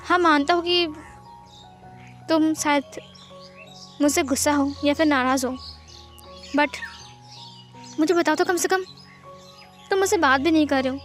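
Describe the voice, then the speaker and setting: A woman acts out a caring young husband who questions firmly and will not take no for an answer. The voice stays high, close to the reader's own. Soft music plays faintly behind. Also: a little slow, long pauses. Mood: worried. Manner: firm, insistent questioning.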